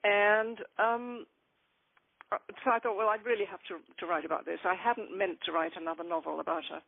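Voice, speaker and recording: An older woman author talking about her novel in an interview, thoughtful and rambling with many pauses and ums. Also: medium pitch, fairly even intonation, creaky, no echo. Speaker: author guest. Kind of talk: conversational interview. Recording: tinny phone-like line.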